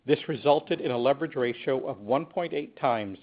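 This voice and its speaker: A man with a medium-pitched voice delivers a prepared earnings presentation as a company executive. His delivery is measured and businesslike, clearly read from a script. The audio is a little dull and lo-fi, as on a conference call.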